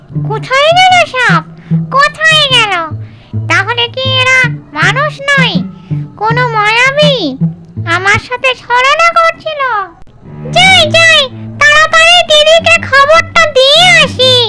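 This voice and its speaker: A cartoonish character voice speaks at an extremely high pitch and a very slow pace. Clear music plays in the background. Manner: loud, threatening.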